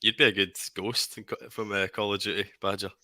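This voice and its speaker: A Scottish-accented man with a deep voice, bantering casually on a livestream. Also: flat delivery, brisk, bright, forceful tone. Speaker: livestream panellist.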